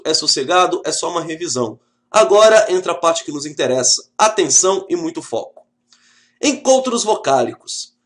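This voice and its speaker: A Brazilian male teacher with a notably high voice gives a lively video lesson. He jokes with the class and checks in with them as he explains. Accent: Brazilian Portuguese. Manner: lively, joking, talks straight to the class.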